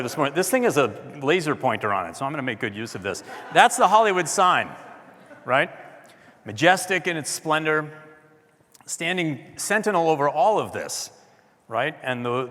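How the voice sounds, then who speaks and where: Loud, lively male conference speaker. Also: fairly high pitch, long reverb tail. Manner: chatty, asks the audience questions. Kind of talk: conference talk with slides. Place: large hall with audience.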